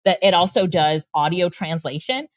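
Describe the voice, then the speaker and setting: A woman's voice: lowish voice, lively intonation, normal speed, no room sound. A woman guest on an interview show, explaining tools with enthusiasm and frequent laughs. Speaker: guest, AI trainer and consultant. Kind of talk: casual interview talk.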